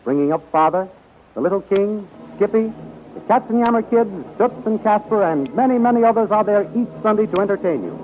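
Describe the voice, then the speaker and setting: A man's voice: high-pitched, expressive, fairly quick, a little hiss or hum. A male announcer reading scripted narration in an emphatic, formal 1930s radio style on a muffled old recording.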